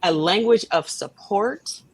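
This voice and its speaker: A woman's voice: medium pitch, lively intonation, slow pace, husky, no echo, low-quality recording. A woman guest in a conversational interview, speaking earnestly and emphatically and often posing rhetorical questions. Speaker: guest from a stage play production.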